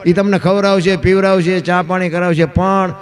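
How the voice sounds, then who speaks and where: A man voicing a sharp-tongued, middle-aged village wife who slyly warns guests away, in a Kathiawadi accent. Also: high voice, flat delivery, moderate pace, close to an everyday voice. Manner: sly, mock-sorrowful warnings.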